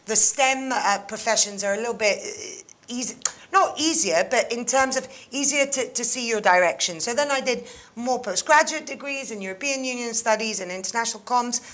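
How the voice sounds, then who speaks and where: Bright, lively woman interview guest. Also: on the high side, moderate pace. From England and Greece. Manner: animated, laughs often, many fillers. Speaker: interview guest, mentoring manager. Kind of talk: casual chat.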